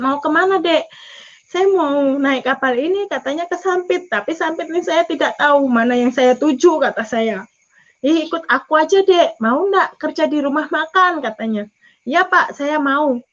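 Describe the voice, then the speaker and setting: A woman's voice: high-pitched, muffled recording. A young woman from East Java giving an emotional church testimony, acting out the dialogue as she tells her story. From East Java, Indonesia. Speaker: testimony speaker.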